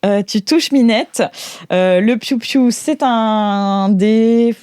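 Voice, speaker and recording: A woman's voice: fairly high pitch, extremely slow, dark tone, clear, resonant tone, dry recording, studio quality. A woman running an improvised tabletop role-play game as game master, talking informally and hesitantly with playful little sound effects.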